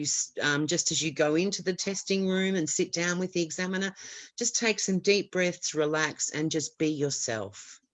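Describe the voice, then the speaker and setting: A woman's voice: lowish voice, dry recording. A woman giving reassuring advice as an expert guest on a webinar, explaining with small restarts over a video call.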